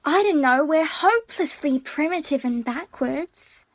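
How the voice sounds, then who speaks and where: A woman's voice: sits high, expressive, measured pace, no echo. A woman playing an earnest, determined young woman in an audio drama, speaking plainly.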